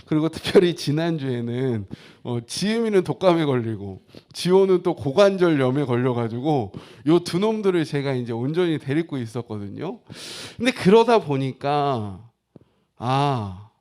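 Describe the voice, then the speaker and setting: Pastor, man, 30s, from Korea; lively, fairly high sermon voice, dramatizes inner monologue. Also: moderate pace, few pauses. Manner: animated, acts out inner thoughts in quotes.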